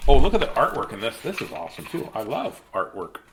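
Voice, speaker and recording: A man's voice: mid-range voice, huge pitch swings, fast, a bit bright, a little hiss or hum. A man chatting casually and playfully while reading bedtime storybooks to children on a livestream.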